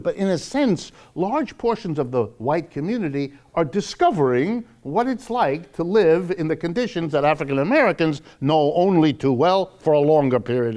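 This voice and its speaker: A man lecturing to the public on economics, speaking emphatically and deliberately and repeating phrases for stress. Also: fairly high pitch, darkish tone.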